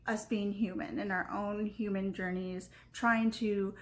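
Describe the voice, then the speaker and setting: A woman with a Californian Valley Girl accent giving a casual, unscripted book review in a thoughtful, halting manner. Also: mid-range voice. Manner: thoughtful, halting, trailing phrases with frequent "like".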